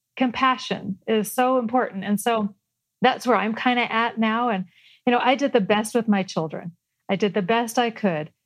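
A woman speaks at a moderate pace with fairly high pitch and ordinary pitch variation. Her loudness stays very even over a quiet background. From California. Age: 50s. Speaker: program member sharing her fitness journey. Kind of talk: interview testimony. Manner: animated.

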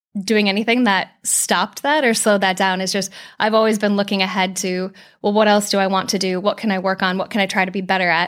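This woman speaks at a very fast pace with an American accent. The recording is very clean, with a silent background. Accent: American Midwestern, noticeable in UK. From US Midwest, Wisconsin. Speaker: retail business executive. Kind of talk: interview. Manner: animated.

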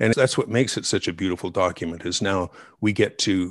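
Against a quiet background, a man with an unremarkable speaking voice talks in a fairly low pitch with fairly even intonation. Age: 60s. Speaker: philanthropist and author. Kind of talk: interview.

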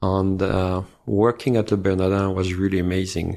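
With a French accent, a man speaks at a very deep, low pitch and fairly slow pace with fairly even intonation, on a very clean recording with a silent background. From France, Normandy. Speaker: pastry chef and bakery founder. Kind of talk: interview.

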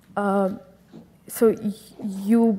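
A woman's medium-pitched, monotone voice with flat intonation, in a Syrian accent, against noticeable background noise. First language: Arabic. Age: 20s. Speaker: activist and photographer. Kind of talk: interview. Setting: stage with audience. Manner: halting.

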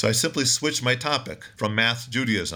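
With an American accent, a man speaks at a medium pitch with ordinary pitch variation. His bright, sharp tone carries vocal fry. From Los Angeles, US. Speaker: rabbi and teacher. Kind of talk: interview.

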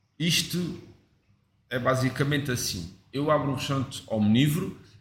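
Audible room echo surrounds a man speaking at a fairly slow pace and a fairly high pitch. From Portugal, Setúbal. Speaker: chef and restaurant owner. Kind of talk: casual interview. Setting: restaurant.

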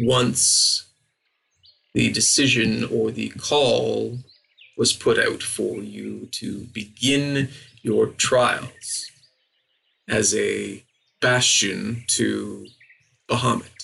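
A man puts on a raspy character voice. He goes at a very slow pace with long, frequent pauses. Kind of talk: fantasy tabletop role-play. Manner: gentle, warm, wise.

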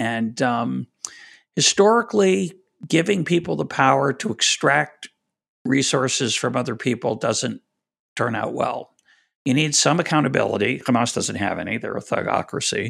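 Recorded very cleanly against a silent background, a man speaks at a moderate pace and medium pitch with lively intonation and vocal fry. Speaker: economist and college president. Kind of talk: interview conversation. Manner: hesitant, frequent fillers and self-corrections.

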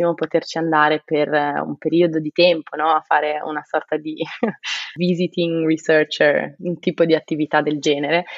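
A woman's very deep, low voice in a monotone, flat intonation. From northern Italy, Bergamo. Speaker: ethnobotany researcher. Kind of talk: interview.

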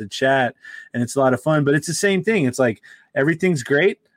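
A man with an American accent speaks at a fairly high pitch with ordinary pitch variation, the sound dry and close with no echo. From US Midwest, Cincinnati, Ohio. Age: 40s. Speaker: comedian. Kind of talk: casual chat.

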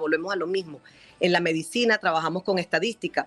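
A woman talks at a very fast pace with medium pitch. The sound is dry and close, with no echo. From Venezuela. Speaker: doctor, breast imaging specialist. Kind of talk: interview.

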